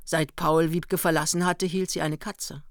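A woman reading literary narration for a radio play in a measured, matter-of-fact way. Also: low-pitched, level tone, no echo, studio quality. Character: composed female storyteller narrating a young East Berlin couple's honeymoon.

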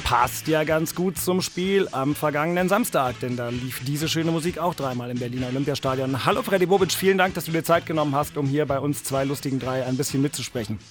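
A hoarse man hosting a casual podcast, joking and loose with plenty of fillers. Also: fairly high pitch, fast, few pauses, soft background music. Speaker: podcast host.

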